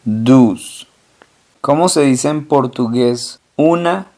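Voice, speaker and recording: A male teacher at an unhurried pace, working through drill questions and answers. He says each example word slowly and often twice. His pitch sits at an ordinary middle level. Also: a little mellow. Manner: poses questions, then answers slowly and deliberately, repeating example words. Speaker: language teacher. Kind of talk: slow language lesson with drill questions.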